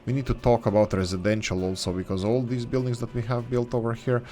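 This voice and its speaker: Fast and mellow, this mid-range male voice barely shifts in pitch. He's a gaming channel host, not a native English speaker, giving casual let's-play commentary and thinking aloud as he builds, full of rambling asides and self-corrections.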